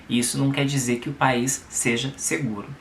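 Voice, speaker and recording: A man's voice: medium pitch, level tone, a little fast, echoey room, a little hiss or hum. A Brazilian man with a Brazilian Portuguese accent, hosting his channel and reading a viewer's letter aloud with chatty commentary and tag questions. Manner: conversational, adds tag questions. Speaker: YouTube host.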